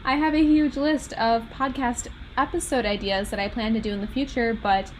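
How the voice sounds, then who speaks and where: A woman's voice: on the high side, fairly even intonation, normal speed, rough recording. A young woman with a Minnesotan American accent hosting a podcast as a candid, chatty, rambling and self-deprecating monologue. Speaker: podcast host. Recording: noticeable background noise.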